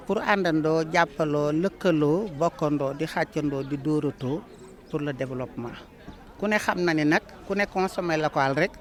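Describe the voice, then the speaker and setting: A man with a Senegalese accent delivering a welcome address as a community representative, with rhythmic lists and devout good wishes. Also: fairly high pitch.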